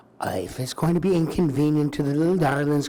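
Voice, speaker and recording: The pace is moderate. Noticeable background noise can be heard. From Ottawa, Canada. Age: 60s. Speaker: public delegate. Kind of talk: public delegation testimony. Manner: animated.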